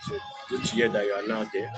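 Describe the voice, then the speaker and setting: A man's voice: fairly low pitch, level tone, fast, faint music behind. A man from Nigeria with a Nigerian accent, hosting a live stream over a video call, repeating words and checking that he is heard. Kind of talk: casual video call chat.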